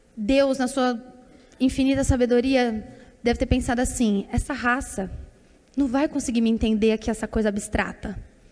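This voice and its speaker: The voice is shrill, held at a very even loudness with fairly even intonation. It moves at a moderate pace, broken by long, frequent pauses. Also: woman, high pitch for a woman. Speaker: church preacher. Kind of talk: sermon. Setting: church stage with PA.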